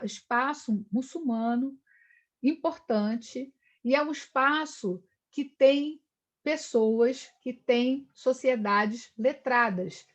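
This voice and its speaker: A middle-aged woman from Brazil lecturing on history, talking in long discursive runs and tagging her sentences with questions. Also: a little high. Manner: discursive, frequent "né?" tags. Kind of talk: live online lecture.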